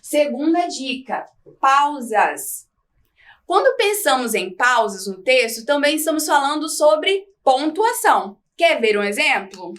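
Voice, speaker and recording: A woman teacher giving a recorded lesson, explaining slowly and clearly and asking the students questions. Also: high-pitched, very animated, fairly bright tone. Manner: slow, clear, didactic reading with questions to students.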